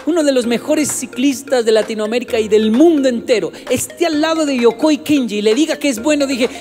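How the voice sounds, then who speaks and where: A man gives a motivational talk, his voice pitched high for a man. He tells story after story to the audience, acting out the voices of the people in them and checking in with a quick "you know?". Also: darkish tone, faint music behind. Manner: storytelling, acts out voices in anecdotes, asks "¿sabe?". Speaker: motivational speaker.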